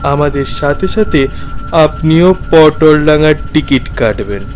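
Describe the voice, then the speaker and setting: Slow, ominous stranger acted by a man. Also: fairly high pitch, lively intonation. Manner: slow, cryptic, menacing. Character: eerie, sweating male steamer passenger, cryptic and ominous. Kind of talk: animated horror story dialogue. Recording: loud background music.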